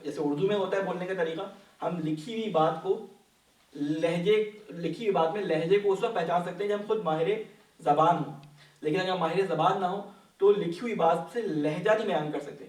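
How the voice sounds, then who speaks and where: A man's voice: high voice, darkish tone, far from the mic. A man teaching a Quran lesson, patiently explaining and asking his listeners questions. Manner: patient, asks the class questions and answers them. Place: mosque hall. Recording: echoey hall, voice from off-mic.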